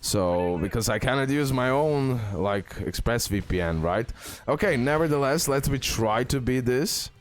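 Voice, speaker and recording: A man giving casual, excitable gameplay commentary, repeating words and talking straight to his viewers. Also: medium pitch, a little slow, a little hiss or hum. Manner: excitable, repetitive, addresses viewers directly. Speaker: gaming content creator, host. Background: music.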